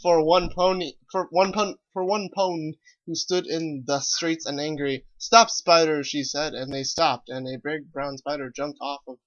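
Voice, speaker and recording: A man's voice: fairly high pitch, fairly even intonation, normal speed, hardly any pauses, muffled recording. A man reading fan fiction aloud as a co-reader, casually joking about it as he goes.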